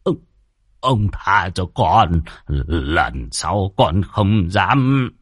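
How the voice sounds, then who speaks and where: A man's voice: low voice, animated, no echo, studio quality, heavily acted. A man playing a cringing old servant. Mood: begging. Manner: pleading, stammering, slow.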